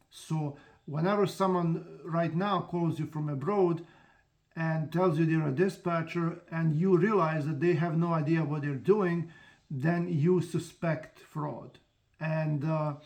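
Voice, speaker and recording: Talking frankly to the camera in a casual vlog, a trucking company owner who hosts his own channel speaks a bit higher than most men, with some vocal fry. He rambles, stumbles into restarts, and fills gaps with "uh." His manner is relaxed and direct, like a man explaining his own business.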